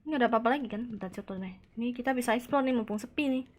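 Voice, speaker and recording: A woman streaming a horror game live, chatting excitedly, reacting aloud and answering her chat, tossing in Japanese words. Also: a little high, very fast. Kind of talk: live gameplay commentary.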